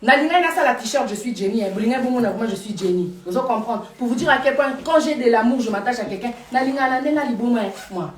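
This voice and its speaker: A woman's voice: a little high, animated, fast talker, few pauses, reverberant, distant mic, a little hiss or hum. A woman live-streaming to her followers in Paris, talking casually and emphatically, repeating her points for force. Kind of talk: casual live chat, mixing French and Lingala.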